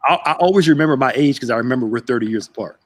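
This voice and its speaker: A man's voice: mid-range voice, expressive, very fast, no echo. A man in his thirties, a pastor hosting a casual live group chat in a playful, teasing way. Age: 30s. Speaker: host, pastor.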